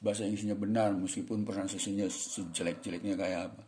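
A man with a low, mellow voice teaches grammar in relaxed everyday slang. He talks to his viewers as friends and slows right down whenever he reads an example sentence aloud. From Indonesia. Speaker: English teacher. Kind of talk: casual teaching talk.

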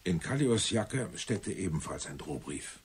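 An actor playing a seasoned police commissioner in a German radio play, businesslike but considerate, with measured questioning. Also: male voice, low voice, big pitch swings, vocal fry, noisy background, exaggerated voice. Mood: matter-of-fact.

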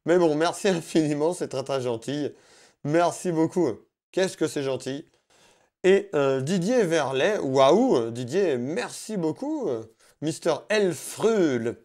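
A man's voice: a little high, expressive, slow pace, a little mellow. A man giving a live-streamed guitar lesson, thanking viewers by name in a friendly way and explaining licks as he plays. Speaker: guitar teacher. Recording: faint guitar music behind. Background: electric guitar playing.

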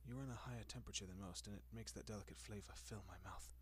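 A man playing a doting, possessive centuries-old vampire in an intimate roleplay audio, speaking in a genteel, coaxing manner with lingering pauses. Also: on the low side, breathy edge. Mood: savoring.

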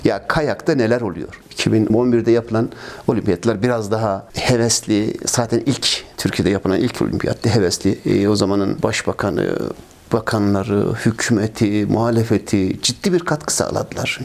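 A man's voice: fairly low pitch, normal speed, vocal fry. A man in his fifties, a ski club president, answering interview questions earnestly, complaining at length, with many fillers and repeated phrases, recorded on a lapel mic in a trophy-filled office. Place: office with trophies and flags, indoors.

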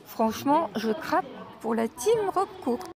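High-voiced chatty French woman vlogger. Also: sing-song, a little slow, gravelly, a crowd in the background. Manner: chatty, addresses viewers as girls, many fillers. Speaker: shopping vlogger. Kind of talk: casual store walkthrough. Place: discount store aisle.

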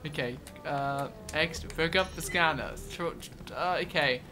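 A man's voice: a little high, a little slow. A young man co-hosting a gaming show, chatting casually, joking and swearing as he reacts aloud to his play. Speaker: co-host of a gaming show, playing. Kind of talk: casual chat while playing a video game.

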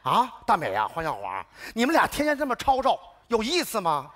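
A man playing an excitable neighbour in a sitcom sketch who rants in circles. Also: high-pitched, fairly quick, exaggerated voice. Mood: placating. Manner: repetitive ranting, then mock-calm lecturing.

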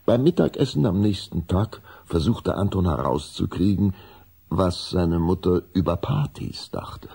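A man with a gravelly voice narrating a children's audio drama in scripted storybook style. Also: deep voice, animated, measured pace, mellow.

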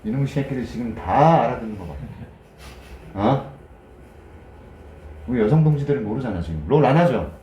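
Male teacher, lively classroom lecturer who banters and quizzes students; warm dark voice, roomy echo. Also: mid-range voice, normal speed, pauses often, muffled recording, slight background noise. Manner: jokey, teasing, quizzes students in casual speech. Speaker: English grammar teacher.

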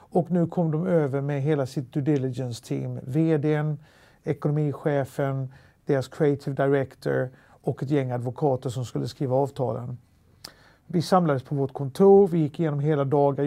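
A middle-aged Swedish man with a Halland dialect tells a story during an interview. His voice sits on the high side and is creaky. He narrates in a lively, anecdotal way, full of restarts and fillers.

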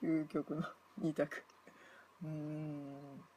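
Casual reader of an old war tale on a livestream, mid-pitched voice, breaks into chuckles and chatty comments to the chat. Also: monotone, very slow, mellow, a little hiss or hum. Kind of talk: reading a classical tale aloud with chat asides.

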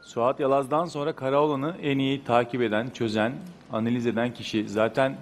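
A man's voice: mid-range voice, steady tone, brisk, a little hiss or hum. A man from the eastern Black Sea coast of Turkey, with an Eastern Black Sea Turkish accent, talking modestly as a guest on a talk show. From Rize, Turkey. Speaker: actor guest.

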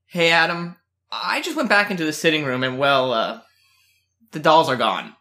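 A man's voice: fairly high pitch, animated, moderate pace, bright, forceful tone. A man voicing Danny, a young companion with a crude, sarcastic way of talking, in an amateur audio drama. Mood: joking.

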